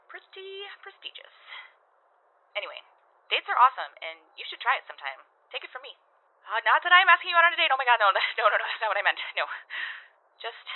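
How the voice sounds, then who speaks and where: A plucky young working gal in an audio drama. She rambles with bouncy, self-conscious chattiness, her pitch leaping around over a narrow, phone-like radio filter. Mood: flustered. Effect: radio or telephone filter. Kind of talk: full-cast audio drama acting. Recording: tinny, phone-like radio message.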